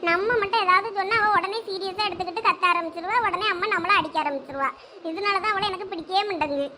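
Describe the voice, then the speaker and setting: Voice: very high voice, fast talker, bright, forceful tone, a little hiss or hum, exaggerated voice. A performer voicing a sulky young girl who feels unloved, complaining tearfully and pitying herself in a comedy skit. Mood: sulking.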